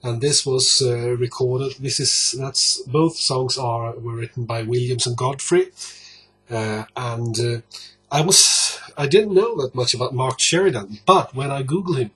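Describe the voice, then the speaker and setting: Husky-voiced, halting man from Sweden. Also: medium pitch, fairly bright tone, poor audio. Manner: hesitant, halting, searching for words. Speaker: record collector presenting a video blog. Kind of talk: casual show-and-tell talk.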